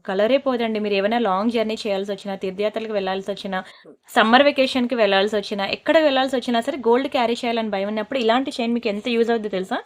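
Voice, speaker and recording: A woman selling jewellery in a brisk, persuasive sales pitch, slipping into scolding asides. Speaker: jewellery seller.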